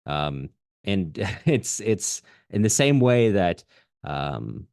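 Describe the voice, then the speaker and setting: Low-voiced man discussing literature. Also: sing-song, very slow, darkish tone, no echo, clean studio sound. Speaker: podcast host.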